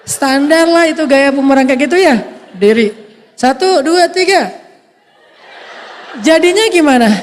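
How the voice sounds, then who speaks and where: A man giving a humorous sermon, acting out little scenes with a soft voice that people often take for a woman's. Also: very high-pitched, big-room sound. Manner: playful, acts out little scenes. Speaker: preacher.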